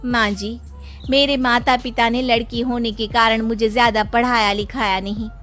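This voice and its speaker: A woman's voice: a little high, steady tone, normal speed, fairly bright tone, faint music behind, close to an everyday voice. A young woman voicing a determined village daughter-in-law in a cartoon, speaking respectfully and earnestly. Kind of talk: cartoon voice acting.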